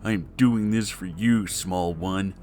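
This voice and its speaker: A man's voice: low-pitched, fairly even intonation, a little slow, warm tone, faint music behind. A man voicing a manly, ponderous cartoon cat hero with grave, earnest delivery in a comic story. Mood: solemn.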